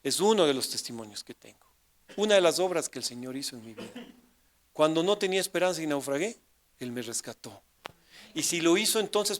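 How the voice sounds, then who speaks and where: A male pastor with an Ecuadorian Spanish accent preaches to his church, weaving a personal testimony into the sermon. His voice sits a little high for a man, and he presses his points with rhetorical questions, dropping low and then rising loud again. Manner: emphatic preaching with rhetorical questions and sudden swings in loudness. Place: church service.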